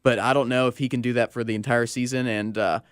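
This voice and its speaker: On a casual sports radio show, a young man with an American accent talks fast and slangy in a conversational way. His mid-range voice is clear and resonant with fairly even intonation, recorded dry with no room sound.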